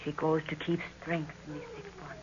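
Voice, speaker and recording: A woman's voice: low-pitched, huge pitch swings, normal speed. An actress playing a commanding tribal witch woman in a 1930s radio serial, speaking in formal, incantatory phrases. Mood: grave, urgent. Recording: muffled, noisy 1930s radio recording.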